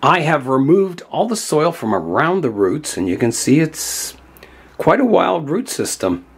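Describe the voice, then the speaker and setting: An older man with a hoarse voice from a cold, hosting a bonsai channel and chatting casually as he works with his hands in a glass greenhouse, thinking aloud as he goes. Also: fairly high pitch, sing-song, unhurried.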